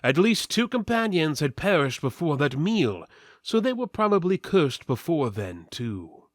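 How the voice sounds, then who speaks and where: A man's voice: fairly high pitch, very animated, measured pace, no echo, clean studio sound. Theatrical male narrator with sweeping, dramatic intonation. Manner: theatrical, portentous, mock-serious. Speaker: narrator, reader. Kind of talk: dramatic reading of mock-epic fantasy.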